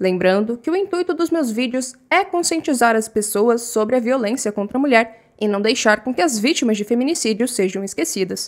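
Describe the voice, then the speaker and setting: Against a quiet background, a woman speaks at a moderate pace with lively intonation and hardly any pauses. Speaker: true crime channel host. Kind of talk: channel intro to camera. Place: home room. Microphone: studio mic.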